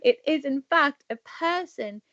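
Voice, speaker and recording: A woman's voice: high-pitched, animated, unhurried, a bit bright. A woman, a podcast guest chatting casually over a video call, wry and easygoing with frequent laughter. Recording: muffled video-call audio.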